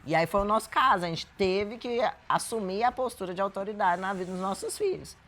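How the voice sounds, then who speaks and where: A woman's voice: mid-range voice, expressive, a little fast, a bit bright. A woman with a Brazilian Portuguese accent, co-hosting a Christian couples' talk and earnestly explaining her views on raising children. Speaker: co-host of a Christian couples' channel. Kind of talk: reflective advice talk.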